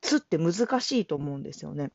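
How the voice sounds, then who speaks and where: Lively low-voiced woman hosting a solo talk. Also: quick pace, gravelly, no room sound. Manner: chatty, self-deprecating, laughs often. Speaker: solo audio show host. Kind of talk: casual spoken monologue. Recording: dull lo-fi dry recording.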